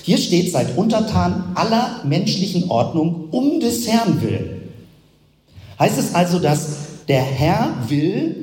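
Male preacher, animated explanatory delivery, long hall reverb. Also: on the high side. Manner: explanatory, builds up with rhetorical questions. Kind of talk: sermon with close reading of Bible verses.

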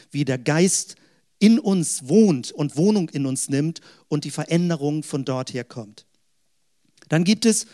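A man giving an explanatory theological teaching talk, often pausing with fillers as he lays out his points. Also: fairly high pitch, darkish tone. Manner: explanatory, with fillers like "sag ich mal". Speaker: preacher.

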